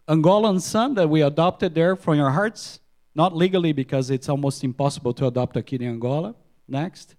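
A middle-aged man with a Portuguese-speaking accent, a missionary doctor giving an earnest church presentation with halting restarts and repeated words. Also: on the high side. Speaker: missionary physician.

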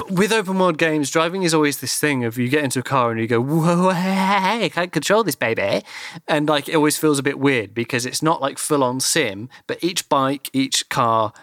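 A man's voice: medium pitch, moderate pace, fairly bright tone, dry recording, clean studio sound. A man ranting animatedly in casual chat as a podcast co-host, swearing freely.

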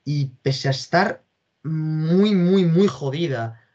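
A man's voice: on the high side, takes it slowly, dark tone. A man talking casually and with enthusiasm about films, repeating his phrases and stumbling over words. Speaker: film discussion co-host. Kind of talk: casual film chat. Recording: dull lo-fi audio.

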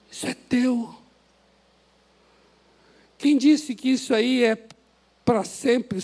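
A male pastor with a Brazilian Portuguese accent, preaching an impassioned sermon that swings from loud exhortation to soft, prayerful pleading in a church. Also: very high voice. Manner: impassioned, rises to shouts then drops to soft prayer. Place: church sanctuary.

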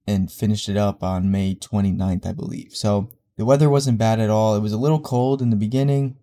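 A man's voice: on the low side, mellow. A young man with a congested voice hosting a casual solo podcast, rambling with fillers and restarts. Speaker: podcast host.

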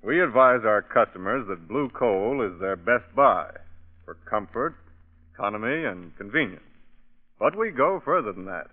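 A man's voice: lowish voice, expressive, normal speed. A man giving a scripted old radio testimonial with an earnest salesman's delivery. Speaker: fuel dealer, guest in a sponsor spot. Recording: muffled old radio recording.

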